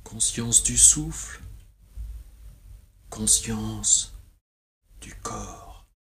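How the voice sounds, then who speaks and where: A man guides a relaxation meditation as a yoga nidra teacher, soothing and measured, with long pauses. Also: fairly low pitch, bright, forceful tone, slight background noise.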